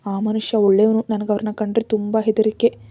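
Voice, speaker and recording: A young wife in a spoken story, pleading through tears and then teasing her brother in a husky, breathy voice, as a woman narrator puts her on. The tone is dark and mellow, with a flat, even pitch, in a dry close recording. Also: fairly quick, no echo, close to an everyday voice.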